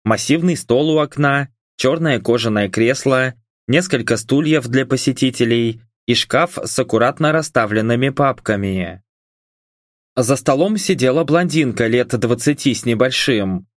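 A male narrator reading a first-person audiobook in a calm, even way. His voice sits in a middle range. The recording is dry, with no room sound. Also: mid-range voice, normal speed, no echo.

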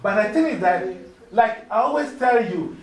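Ghanaian woman, middle-aged, mentor to teens, preachy but quick to laugh, fairly high voice, echoey room from far off. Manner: lively, preachy, laughs easily, repeats "you see". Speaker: mentor speaking to youth. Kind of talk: informal classroom talk.

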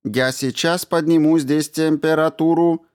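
A man voicing a calm, courteous medical robot that speaks slowly and evenly. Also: a little high, smooth, faint music behind, pitched above the performer's own voice, lightly acted. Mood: calm polite.

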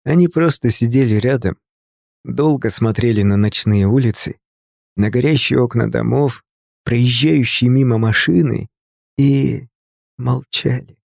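A male narrator reads a novel in a calm, measured storytelling voice. His tone is warm and mellow, at an everyday pitch. The sound is dry and close, with no room around it. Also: gravelly, no room sound. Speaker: audiobook narrator.

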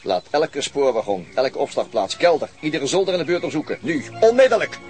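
An actor in a Dutch radio drama playing a weary, gruff male detective leading a murder hunt, matter-of-fact and given to swearing. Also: on the high side, sing-song, a little fast, darkish tone, faint music behind. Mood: urgent, commanding.

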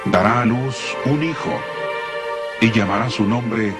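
Man voicing a very slow, solemn male angel. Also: mid-range voice, loud music behind the voice, natural voice. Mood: solemn, reassuring. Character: solemn male angel of the Lord, commanding and reassuring. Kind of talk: dramatized Bible reading.

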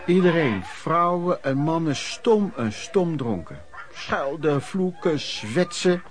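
An actor playing an earnest, aghast storyteller narrating lodging-house memories in a radio play. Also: male voice, a little high, animated, slow. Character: male storyteller recalling lodging-house misery, shocked and earnest. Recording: crowd noise behind the voice.

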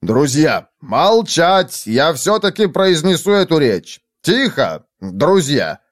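A man's voice: high-pitched, huge pitch swings, slow pace, no room sound, clean studio sound, pitched above the performer's own voice, heavily acted. A man voicing a flamboyant, rich male showman who speaks pompously and bellows.

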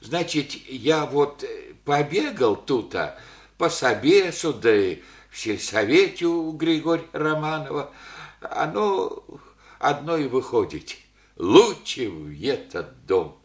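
An actor playing a humble, elderly widowed village father who speaks in halting rustic phrases full of fillers. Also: medium pitch, very animated, echoey room. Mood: rambling. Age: older. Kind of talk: archival Soviet radio play acting.

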